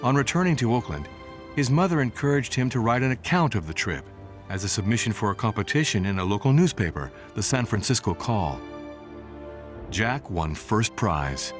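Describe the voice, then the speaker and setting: A man narrating a documentary from a script in a measured storytelling manner. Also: on the low side, lively intonation. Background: music bed.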